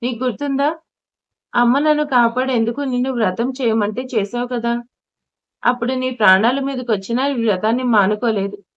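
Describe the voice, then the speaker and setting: A woman's voice: fairly high pitch, fairly even intonation, normal speed, no echo, natural voice. A woman reading a tearful, devoted young husband. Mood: tearful reassurance. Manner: earnest, pleading, comforting. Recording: dull lo-fi recording.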